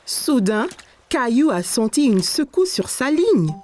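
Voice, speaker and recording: A woman narrator telling a scripted children's story in a simple, clear storytelling manner. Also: on the high side, very animated, measured pace, a little mellow. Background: music.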